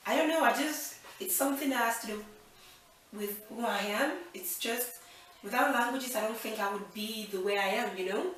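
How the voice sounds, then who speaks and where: A woman's voice: a little high, moderate pace, a bit bright, distant mic, slight background noise. Chatty young woman in an echoey room. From Nigeria. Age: 20s. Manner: chatty and upbeat, thinks aloud with fillers. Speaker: channel host. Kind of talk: casual Q&A vlog.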